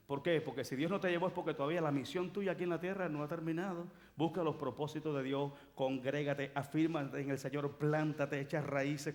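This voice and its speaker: Male pastor, lively sermon delivery, slightly high pitch. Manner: animated storytelling preacher, acts out dialogue. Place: church sanctuary.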